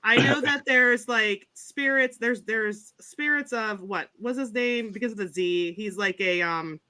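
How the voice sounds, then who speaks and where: A woman's voice: fairly high pitch, a little slow, pushed and bright. A woman with an Appalachian accent co-hosting a podcast, chatty and giggly, often trailing off mid-sentence. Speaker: podcast co-host. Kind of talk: casual chat.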